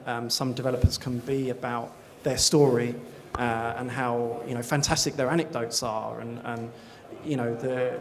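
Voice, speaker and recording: A man speaking on a conference panel, rambling with lots of filler sounds. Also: mid-range voice. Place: conference stage.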